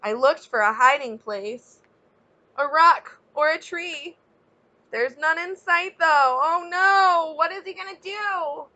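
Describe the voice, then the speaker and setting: A woman teacher reading a children's picture book aloud expressively, stepping out of the story to chat with young listeners. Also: extremely high pitch. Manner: expressive, pausing to ask young listeners questions and explain.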